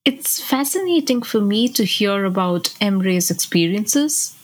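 Husky-voiced woman from India. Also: mid-range voice, expressive, a little slow, rough recording. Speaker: podcast co-host. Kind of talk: podcast conversation.

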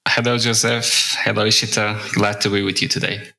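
A man from Turkey, a native Turkish speaker, talking in a measured, explanatory way as a podcast guest. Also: fairly low pitch, level tone, vocal fry, pushed and bright. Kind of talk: podcast conversation.

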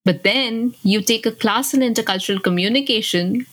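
A woman's voice: fairly high pitch, moderate pace, a bit bright, slightly rough. A woman from India co-hosting a podcast, talking in an engaged, conversational way. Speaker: podcast co-host.

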